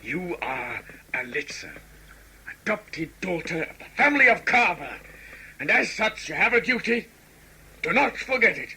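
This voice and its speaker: A man's voice: high-pitched, big pitch swings, moderate pace, gravelly, sharp tone, slightly rough, exaggerated voice, rough recording. A man acting a proud, commanding tribal lord and stern adoptive father in a sci-fi audio drama, speaking formally. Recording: amateur audio play with background noise.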